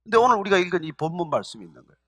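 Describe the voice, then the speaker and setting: Male pastor, middle-aged, high voice, expressive sermon storyteller. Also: rapid-fire, dry recording, clean studio sound. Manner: animated storytelling, acting out quoted speech.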